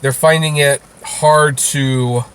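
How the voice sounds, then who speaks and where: A man being interviewed, talking casually and explaining things in a halting way with repeated words. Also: on the high side, steady tone, a crowd in the background. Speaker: interview guest, rideshare video creator.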